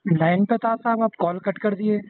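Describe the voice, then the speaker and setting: High-pitched Hyderabadi man on phone. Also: moderate pace, dry recording. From Hyderabad, India. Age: young adult. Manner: polite, persistent. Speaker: phone caller questioning an official. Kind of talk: informal phone conversation. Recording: dull lo-fi phone call recording.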